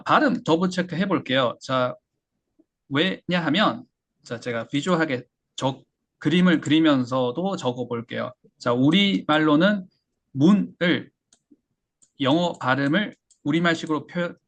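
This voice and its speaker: A man teaching English pronunciation, drilling words slowly and then explaining briskly. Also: on the high side, creaky, breathy edge. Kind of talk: language lesson explanation.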